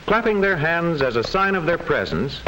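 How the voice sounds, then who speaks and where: A man reading scripted classroom film narration in a measured, enunciated storytelling manner. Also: on the high side, sing-song, pushed and bright, poor audio. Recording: old classroom film soundtrack, faint hiss.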